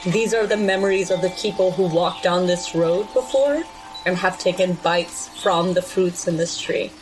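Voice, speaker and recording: A woman playing a tabletop game, improvising her character's story in loose, halting, casual phrases. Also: lowish voice, faint music behind, low-quality recording.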